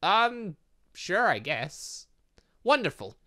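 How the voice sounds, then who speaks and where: Lively, bright-voiced man playing a game. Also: a little high, moderate pace. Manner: chatty, thinking aloud, with playful sound effects. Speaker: gaming YouTuber. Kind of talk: let's play commentary, reading game text aloud.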